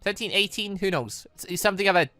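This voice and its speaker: A man's voice: sits high, very fast, sharp tone, clean tone, no echo, faint music behind. A man giving chatty, rambling let's play commentary, often correcting himself as he goes, close on the mic. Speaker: gaming channel host. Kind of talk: let's play commentary with read-aloud dialogue.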